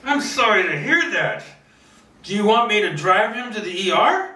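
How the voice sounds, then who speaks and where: A man's voice: high-pitched, big pitch swings, normal speed, bright, forceful tone, voice pushed up, exaggerated voice. A man playing a polite, concerned policeman in his twenties, earnest and courteous, in a screenplay table read. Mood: concerned, respectful. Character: polite, concerned policeman aged twenty-seven, respectful neighbor. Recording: roomy, distant microphone.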